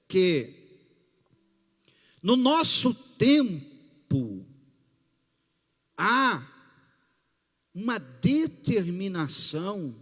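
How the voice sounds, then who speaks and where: A male pastor with a Brazilian Portuguese accent, preaching a sermon in a slow, emphatic way with rising bursts. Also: high voice, fairly bright tone. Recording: long hall reverb with faint music.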